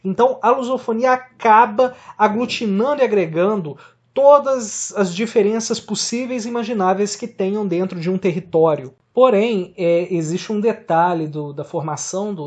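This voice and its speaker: A researcher with a Brazilian accent presents an academic study. The voice sits at a medium pitch. The delivery is formal and didactic, explaining each point in the manner of a slide presentation. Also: a little mellow.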